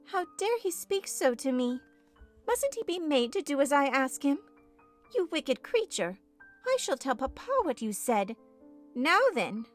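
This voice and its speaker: Woman voicing a spoiled, high-pitched imperious little girl. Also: big pitch swings, normal speed, fairly bright tone, faint music behind. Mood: indignant. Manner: haughty, petulant, demanding. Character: spoiled, imperious young girl, easily upset and indignant. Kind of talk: audiobook character voice.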